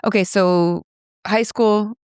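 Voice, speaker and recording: A woman's voice: mid-range voice, fairly even intonation, slow pace, a little mellow, clear, resonant tone, no echo, clean studio sound. A woman hosting a podcast, interviewing her guest in an encouraging, conversational way. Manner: encouraging, asks open questions. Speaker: podcast host.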